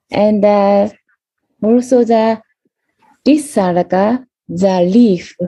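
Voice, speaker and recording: Very slowly, a woman speaks. Everything behind her is quiet. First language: Japanese. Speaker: spiritual practitioner sharing in a group session. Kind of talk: personal sharing in a group discussion. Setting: video call. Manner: halting. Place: home room. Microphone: video call.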